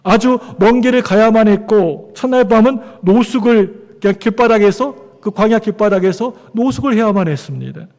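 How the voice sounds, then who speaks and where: High-voiced preaching pastor. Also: male voice, normal speed, few pauses. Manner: animated preaching with questions to the congregation. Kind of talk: sermon. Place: church sanctuary. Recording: long church hall reverb.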